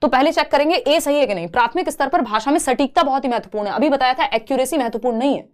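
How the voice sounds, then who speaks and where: A young woman teaching an exam-prep class with a fairly high voice. She explains each point step by step, mixing in English terms, and keeps asking her listeners questions that she then answers herself. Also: rapid-fire. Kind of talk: online exam-prep lecture.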